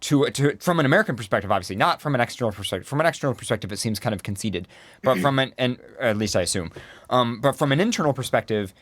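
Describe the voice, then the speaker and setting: A man's voice: mid-range voice, fast talker, no room sound. A man co-hosting a live podcast, telling stories with lots of fillers and restarts. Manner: animated, filler-heavy storytelling. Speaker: podcast co-host. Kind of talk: casual live podcast chat.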